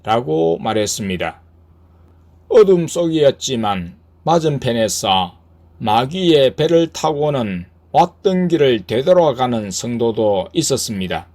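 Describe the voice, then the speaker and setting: Brief: male church testimony narrator, calm and earnest, slow, pitch moves a lot.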